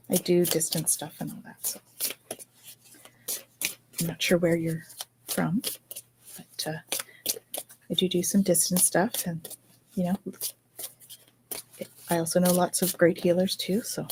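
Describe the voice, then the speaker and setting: A woman with a lowish voice talks over a noisy background in a casual podcast chat. She's a spiritual medium who reads cards, and she's chatty and reassuring, checking in often with "okay?".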